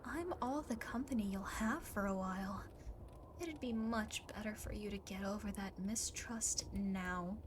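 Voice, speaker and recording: A woman's voice: medium pitch, measured pace, noisy background, natural voice. A woman voicing a lonely, possessive demon girl in an ASMR roleplay, often dropping into a whisper, coaxing and condescending as she speaks to the listener. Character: lonely possessive demon girl, coolly teasing, faintly menacing.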